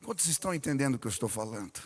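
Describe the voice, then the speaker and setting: A Brazilian man, a pastor preaching a sermon, telling stories with animated delivery and asking the congregation questions. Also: medium pitch, very fast, husky. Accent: Brazilian Portuguese. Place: church sanctuary. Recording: long reverb in a large church hall.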